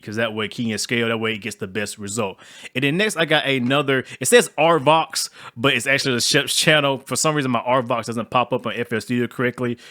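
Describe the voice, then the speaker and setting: A man with a low voice giving a casual, slangy music-production tutorial, rambling with fillers. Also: bright, forceful tone. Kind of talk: casual screen-recorded tutorial.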